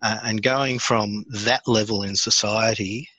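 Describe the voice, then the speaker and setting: Australian man, bright close-mic voice. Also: on the low side, measured pace, dry recording. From born in India, raised in Sydney, Australia. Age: 50s. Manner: relaxed, many fillers and restarts. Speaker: podcast guest. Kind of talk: conversational storytelling.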